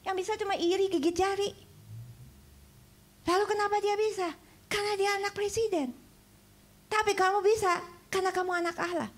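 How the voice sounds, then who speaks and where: A woman evangelist preaches in a church, her voice sitting high. She talks in an animated way, building to exclamations and slipping English phrases into her sermon. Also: fairly quick, pauses often.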